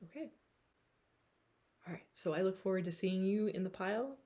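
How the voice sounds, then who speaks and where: A woman's voice: medium pitch, normal speed, mellow. A woman with a Pennsylvania accent, chatting casually and giggling often as she leads a tarot reading. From United States. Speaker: tarot reader. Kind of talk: casual chat.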